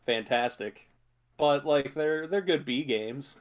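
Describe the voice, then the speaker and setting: A man chatting casually as a podcast co-host, in a halting way full of filler words and hedges. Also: mid-range voice. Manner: halting, hedging delivery with many filler words. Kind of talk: casual chat about video game movies.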